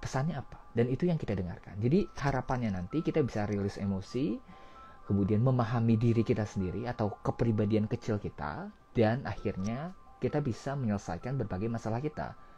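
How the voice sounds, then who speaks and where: Music plays in the background as the speaker talks at a very fast pace. The voice is soft-spoken with lively intonation. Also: man, medium pitch for a man. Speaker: psychologist / therapist. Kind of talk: live therapy session explanation. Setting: Instagram live stream. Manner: hesitant fillers, casual.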